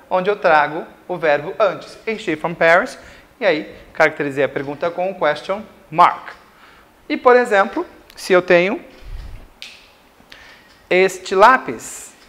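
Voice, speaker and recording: A Brazilian man teaching English grammar in a recorded school lesson, explaining slowly with repeated examples and checks like "certo?". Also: high-pitched, fairly bright tone. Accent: Brazilian Portuguese.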